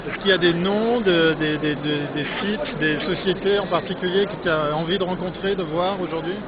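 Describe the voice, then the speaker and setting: High-voiced male interviewer amid a loud crowd. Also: normal speed. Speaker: interviewer hosting a live web video. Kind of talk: casual live interview. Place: busy, cold conference venue in Paris. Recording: dull lo-fi live stream, loud crowd.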